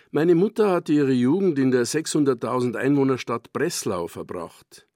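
An older man from Bavaria, a dialect poet, reading a scripted personal essay for radio in a calm, measured way. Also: mid-range voice, no echo, studio quality. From Bavaria, Germany.

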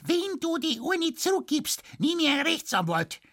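A man voicing a shrill, nosy, greedy old Bavarian woman who scolds and yaps, with a Bavarian accent. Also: sing-song, normal speed, a bit bright. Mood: shrieking indignant. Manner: yapping and snappish.

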